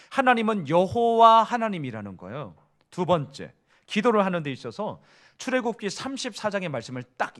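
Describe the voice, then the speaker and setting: A male pastor preaches in a church with a high, bright voice. His delivery is animated, with rhetorical questions and pitch that rises and falls widely. He talks right to his congregation. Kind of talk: sermon.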